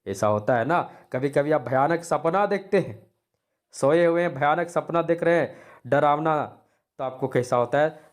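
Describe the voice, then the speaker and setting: A male teacher giving a lesson on poetry, asking questions and answering them himself, and reciting verses with rising emphasis. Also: medium pitch.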